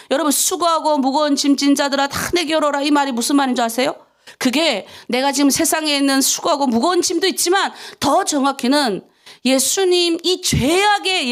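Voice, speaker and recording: A woman pastor giving a dawn prayer sermon, moving between hushed asides and loud, fervent prayer. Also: sits high. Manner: animated preaching, swings from hushed asides to shouted prayer.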